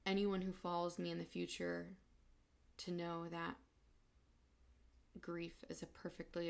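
A young woman hosting a personal podcast, talking in a halting, emotional way and close to tears. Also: on the low side, vocal fry. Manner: emotional, halting, soft-spoken. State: tearful. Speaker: podcast host.

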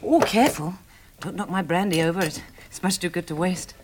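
An actress playing a wistful, playful, well-bred young woman novelist in a 1960s radio drama, hesitant and expressive. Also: lowish voice, fairly quick, slight background noise, natural voice.

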